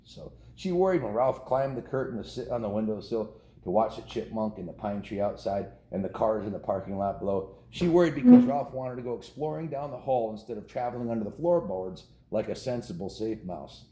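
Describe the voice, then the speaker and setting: A man's voice: on the low side, lively intonation, a little fast, hardly any pauses, dark tone. A man casually reading a children's novel aloud, ad-libbing informal asides to kids in a home setting. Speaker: storybook reader. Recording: roomy, echoing indoor sound.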